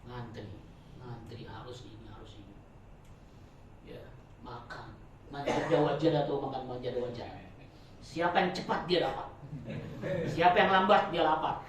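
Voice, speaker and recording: A man teaching a religious study circle in a chatty, joking sermon style, swinging between loud and soft. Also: medium pitch, normal speed, long pauses. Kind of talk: informal sermon. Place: prayer room. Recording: very echoey room, voice from far off.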